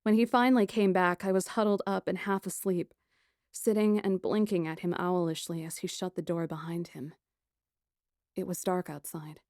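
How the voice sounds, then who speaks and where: A woman reading first-person fiction as an audiobook narrator, with a dramatic, expressive delivery. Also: lowish voice, moderate pace, dry recording, clean studio sound.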